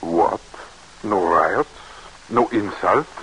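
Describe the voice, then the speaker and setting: An excitable young medical student, fussy and stammering, his voice jumping around a lot. Vintage radio broadcast sound with faint background noise. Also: fairly low pitch, very slow, full character voice, rough recording. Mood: amused. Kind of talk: 1940s radio acting.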